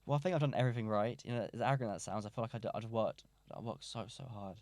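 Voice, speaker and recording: A man's voice: mid-range voice, quick pace, a little mellow, dry recording. A teenage man from London, a podcast guest talking in a rambling, self-deprecating way with lots of restarts. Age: teens. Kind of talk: casual podcast interview.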